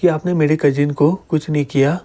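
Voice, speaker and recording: A commanding young noblewoman who scolds sharply and gives orders, read by a man narrating a comic. The voice is a little high and mellow. It is read in a plain storytelling way. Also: fairly even intonation, moderate pace, close to an everyday voice. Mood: scolding. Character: fierce young woman, loyal noble student.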